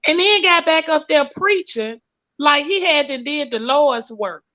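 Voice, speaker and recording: A woman's voice: high-pitched, animated, a little slow, bright, forceful tone. A blunt, profane woman, hosting a casual talk show. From Mississippi, US. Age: late 30s. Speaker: host. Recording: lo-fi stream audio.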